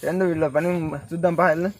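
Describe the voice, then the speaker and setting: A man's voice: fairly high pitch, little pitch movement, rapid-fire, a little hiss or hum, lightly acted. A man playing a domineering village landlord who barks orders at a poor farmer. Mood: grumbling.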